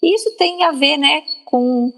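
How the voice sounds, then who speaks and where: A woman's voice: high-pitched, unhurried, creaky, fairly bright tone. A Brazilian woman speaking as a guest speech therapist on a podcast, explaining in a didactic, emphatic way with frequent tag questions. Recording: long reverb, faint background noise.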